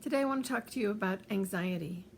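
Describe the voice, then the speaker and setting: An older woman giving gentle, calm advice, repeating reassuring phrases. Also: medium pitch, fast talker, vocal fry, slight background noise. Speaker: author giving coping advice. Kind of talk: calm advice talk to camera.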